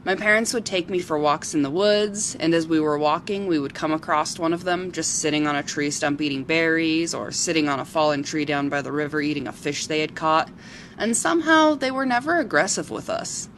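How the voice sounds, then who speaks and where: A woman playing a sincere local TV reporter in an amateur audio drama, telling her story in a measured way. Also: sits low, fairly bright tone, slight background noise. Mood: nostalgic. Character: sincere female local TV reporter who loves wild creatures.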